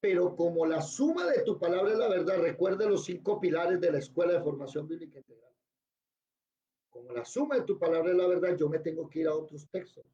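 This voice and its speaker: A man's voice: fairly high pitch, mellow, roomy sound. A man teaching a classroom Bible lesson. He spells out words letter by letter and quizzes his students. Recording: dull lo-fi recording.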